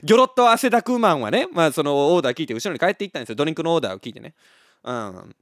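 Man, Osaka Kansai accent, casual storytelling, very lively swinging pitch, dry close sound. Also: racing, dry recording. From Osaka, Japan. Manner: animated, laughs often, many fillers.

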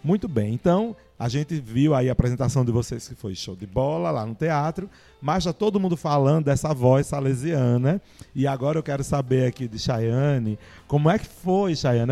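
A man's voice: mid-range voice, dark tone. A man hosting a casual podcast interview, asking friendly questions and adding short replies. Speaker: podcast host.

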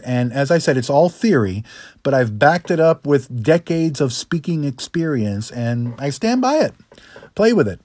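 A middle-aged man delivers a scripted instructional monologue in a practiced, slightly high register. His pitch swings widely through deliberate phrases and rhetorical asides, and the voice has a husky edge. The sound is very dry, with no room on it. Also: darkish tone, no room sound. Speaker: public speaking coach, host.

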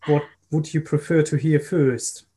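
A man with a German accent speaks as a consultant guest in an interview. His voice is soft-edged and mellow, and his delivery is measured, with halting phrases. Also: fairly high pitch, steady tone, slightly rough. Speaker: guest, risk and crisis management consultant. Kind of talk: podcast interview answers.

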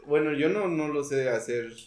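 A guest with a Mexican accent in a casual chat, playful and teasing. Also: female voice, deep voice, animated, normal speed, darkish tone. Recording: echoey room.

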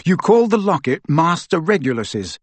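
Man playing a fierce teen boy wizard barking orders, bit husky. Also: on the high side, sing-song, normal speed, no echo, pitched above the performer's own voice. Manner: fierce, urgent, commanding. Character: teenage boy wizard hero, determined and commanding. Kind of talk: audiobook character voice.

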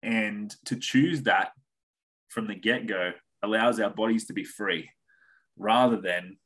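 A man's voice: fairly low pitch, a little slow, fairly bright tone, poor audio. A man with an Australian accent, a podcast guest talking in a reflective, philosophical way and swearing casually. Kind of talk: casual chat.

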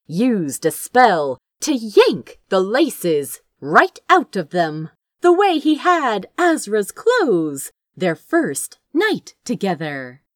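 A woman's voice: mid-range voice, no echo, clean studio sound. A woman reading a fantasy story aloud as an audiobook narrator, in a dramatic storytelling style. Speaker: fan fiction audiobook narrator.

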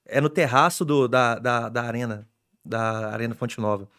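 A young adult man, a sports reporter telling stories in an excitable, animated way on a casual podcast. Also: mid-range voice, normal speed.

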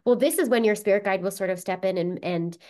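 A woman's voice: mid-range voice, quick pace, dark tone. A woman with a cold and a stuffed-up voice, explaining spiritual ideas in a casual, conversational way, often checking in with "right?". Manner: conversational, frequent "right?" and "you know" fillers. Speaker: spiritual teacher.

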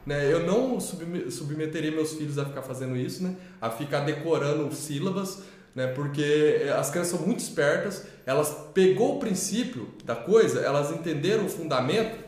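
A man's voice: fairly high pitch, moderate pace, a little mellow. A man co-hosting a talk on teaching children to read, rambling with many restarts and tag questions. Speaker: co-host of a literacy channel. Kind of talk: casual explanatory talk. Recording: echoey room.

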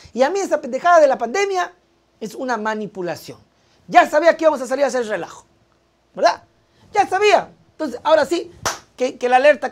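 High-voiced woman satirist. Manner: colloquial, mocking. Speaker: host. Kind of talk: satirical news commentary.

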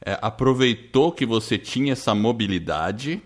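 A man's voice: on the low side, expressive, moderate pace. A man interviewing a guest, who sums up what she has told him and agrees along. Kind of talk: interview conversation.

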